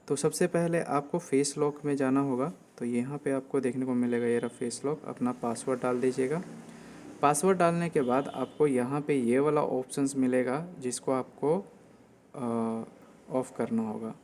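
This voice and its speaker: A man's voice: mid-range voice, a little mellow, a little hiss or hum. A man explaining settings step by step in a casual tutorial style, often repeating himself as host.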